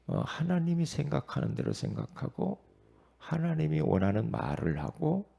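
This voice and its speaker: A man's voice: a little high, vocal fry, warm tone, slightly rough. A man preaching an early-morning prayer sermon as pastor, asking the congregation questions and repeating his points for emphasis.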